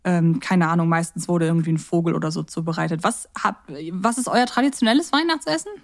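A woman's voice: on the low side, quick pace. A woman from Germany chatting informally as a podcast co-host, telling stories in a conversational way. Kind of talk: casual conversational podcast chat.

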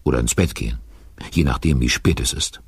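Very deep, husky storybook narrator. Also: male voice, fairly quick, dry recording, full character voice. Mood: cosy, teasing. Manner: chatty, mock-grumbling, addresses listeners directly. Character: avuncular male narrator of a children's witch story. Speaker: narrator of a children's audio drama. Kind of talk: playful storybook narration addressed to children.

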